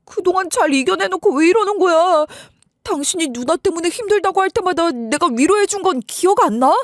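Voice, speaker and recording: A woman's voice: very high voice, animated, a little fast, dry recording, pitched above the performer's own voice. Woman doing a begging, stammering husband for a story reading; dry close sound. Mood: pleading. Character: pleading, stammering husband, young adult man.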